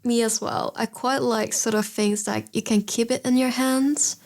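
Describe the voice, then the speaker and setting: Female interviewer, slightly high pitch; friendly, chatty host with non-native phrasing. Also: steady tone, normal speed, darkish tone. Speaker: podcast host. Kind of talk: casual interview.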